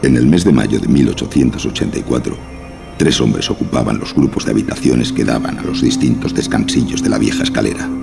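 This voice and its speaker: A man's voice: very deep voice, brisk, creaky. A man narrating a scripted horror story over music. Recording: music behind the voice.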